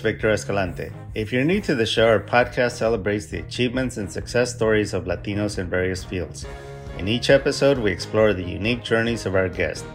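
A man hosting an interview podcast, reading a formal scripted intro and then asking questions in a measured way. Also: lowish voice. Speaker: podcast host.

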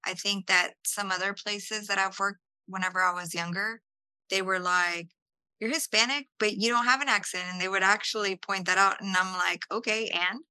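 Bright-voiced woman, dry close sound. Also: medium pitch, steady tone, normal speed, no echo, rough recording. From El Salvador, raised in Houston. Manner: chatty, restarts words, casual fillers. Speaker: podcast guest. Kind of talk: conversational interview answers.

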